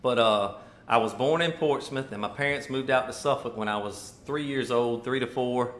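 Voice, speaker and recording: An easygoing man in his fifties from Virginia, chatting as an interview guest. He talks in loose, meandering phrases at an ordinary pitch. The room around him sounds roomy and echoey. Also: normal speed, a bit bright. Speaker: mayoral candidate guest. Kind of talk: casual interview conversation.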